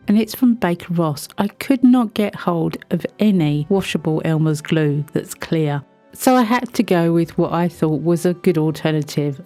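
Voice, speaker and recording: A woman with a cold, sounding croaky, chatting her way through a craft tutorial voice-over with friendly little asides. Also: on the low side, dark tone. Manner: chatty, self-deprecating asides. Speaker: resin craft video host.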